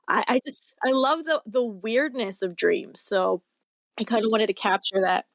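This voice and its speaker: A woman's voice: fairly high pitch, animated, normal speed, no echo. A woman speaking as an author guest in a casual interview, chatty and rambling with self-deprecating humor.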